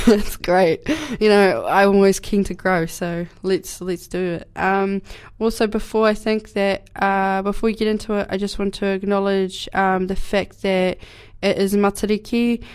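A woman's voice: mid-range voice, level tone, unhurried, a little mellow, clear, resonant tone. Young New Zealand woman with a cold. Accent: New Zealand English. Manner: rambling, many fillers and restarts, laughs often. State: has a cold. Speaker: community radio host. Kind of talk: casual solo radio talk. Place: radio studio.

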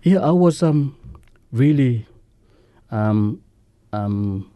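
A Samoan man, whose first language is Samoan, speaking earnest, halting English as a guest in a radio interview. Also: medium pitch, animated, dry recording, lo-fi sound. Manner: earnest, halting, simple non-native English. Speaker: guest sharing recovery story.

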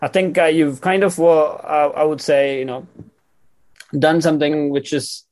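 A man interviewing on radio in a conversational way, haltingly rephrasing as he goes. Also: a little high, level tone, a little mellow.

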